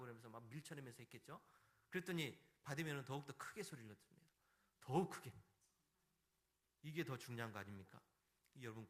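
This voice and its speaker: A male pastor preaching a Sunday sermon in a church, emphatic and animated, acting out the quoted voices in the story. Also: medium pitch. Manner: emphatic, acts out the crowd's and the beggar's lines. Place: church sanctuary.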